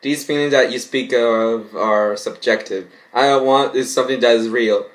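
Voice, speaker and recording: A man's voice: mid-range voice, steady tone, moderate pace, rough recording. A young adult man rambling casually and reading aloud in an amateur way, often stumbling over his words, recorded at home in a bedroom. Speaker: vlogger reacting to and reading fan fiction.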